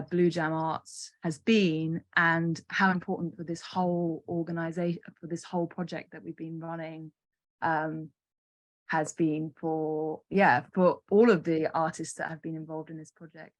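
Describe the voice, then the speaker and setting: A young woman from Cumbria with a distinctly low voice and a very dry sound. She presents informally and a little hesitantly on a group video call. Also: no room sound. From Cumbria, England. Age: young adult. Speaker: arts project representative.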